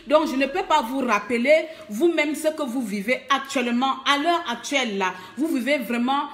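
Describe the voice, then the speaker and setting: A woman from Gabon with a Gabonese French accent calls her compatriots to mobilize during a live stream. Her voice sits a little high, and she speaks emphatically while stumbling over many fillers. The room around her is echoey. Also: normal speed, fairly bright tone. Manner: emphatic, hesitant, full of fillers, switches languages. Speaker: activist making a call to mobilize. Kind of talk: live video appeal. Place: abroad, away from home country.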